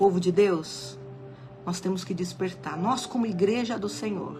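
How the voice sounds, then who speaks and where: Music behind a woman's fairly slow speech. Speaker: preacher. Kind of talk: sermon.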